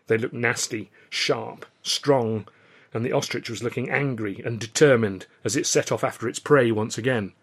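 A man's voice: medium pitch, normal speed, slightly rough. A man reading scripted first-person audiobook narration of a novel. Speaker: author reading own novel.

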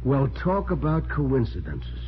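An actor playing a blunt, talkative working-class police sergeant with slangy, matter-of-fact speech in 1940s radio drama style. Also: male voice, medium pitch, very animated, a little slow. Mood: animated, intrigued. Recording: muffled noisy 1940s radio recording.

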